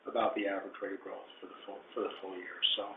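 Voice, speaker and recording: Executive man, measured and hesitant, roomy phone-line sound. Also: low voice, little pitch movement, gravelly, a little hiss or hum. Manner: measured, with frequent ums and restarts. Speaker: company executive answering analysts. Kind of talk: earnings call answers.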